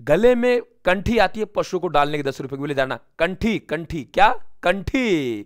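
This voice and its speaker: A man voicing a male village jeweler who teases a customer with slow, emphatic repetition. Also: high-pitched, lively intonation, no echo, studio quality. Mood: scornful.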